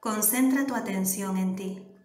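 A woman with a Canary Islands Spanish accent guiding a meditation, giving soft, calm instructions with long pauses. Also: mid-range voice. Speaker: meditation guide. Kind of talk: guided meditation. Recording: roomy echo with soft music behind. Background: soft background music.

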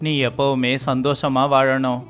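A man voicing every male figure in a cartoon village story, in an even, scripted delivery. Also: mid-range voice, measured pace. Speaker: voice actor for all male figures. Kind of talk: scripted dialogue of an animated moral story. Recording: faint music underneath.

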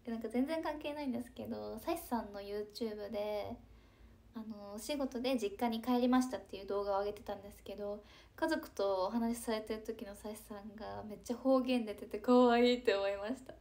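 A young woman, chatting casually on a live stream, breezy and talkative with soft asides. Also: mid-range voice, steady tone, brisk. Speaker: idol livestreamer reading chat comments.

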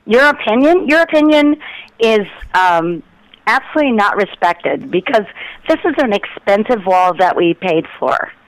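A woman's voice: mid-range voice, lively intonation, normal speed. A woman arguing on a phone call, indignant and sarcastic, as the target of a prank call. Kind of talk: angry phone argument.

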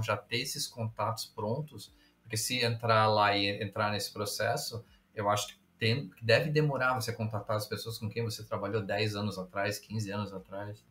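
A man hosting a casual interview, relaxed and enthusiastic with slangy remarks. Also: lowish voice. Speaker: host. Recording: echoey room with faint noise.

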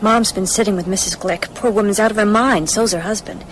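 A woman's voice: mid-range voice, steady tone, a little fast, a little hiss or hum, natural voice. An actress playing a concerned, friendly young small-town woman in a radio drama.

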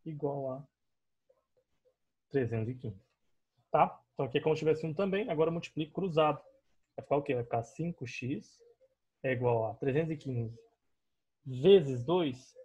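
A man's voice: medium pitch, warm tone, breathy edge. A young Brazilian man teaching a math class over a screen recording, explaining each step patiently and often checking in with his students. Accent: Brazilian Portuguese. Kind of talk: online math class explaining on a digital board.

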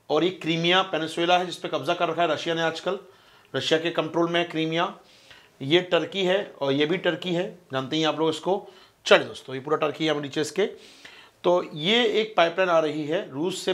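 A fast-talking man teaching an online exam-prep class, his voice sitting fairly high. He keeps asking his listeners questions and answering them himself, and he calls them his friends. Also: a bit bright. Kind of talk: online lecture explaining a map.

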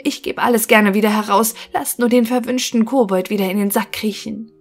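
A woman's voice: fairly high pitch, fairly even intonation, fairly quick. A woman voicing a greedy, scheming male innkeeper in a fairy tale, speaking in sly, murmured tones. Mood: pleading.

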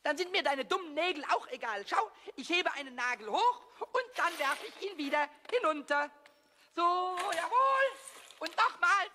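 A man voicing a small, cheeky, childish kobold in a children's radio play, squeaky, boastful and melodramatic. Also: very animated, normal speed, pushed and bright, a little hiss or hum, full character voice. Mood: whiny, panicked. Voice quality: squeaky, screechy.

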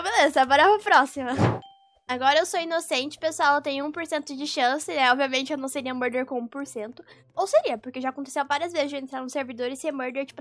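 Young Brazilian woman, gaming YouTuber, high bright voice, excitable chatter over game music. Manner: excitable, repeats words in quick bursts. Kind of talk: casual gameplay commentary.

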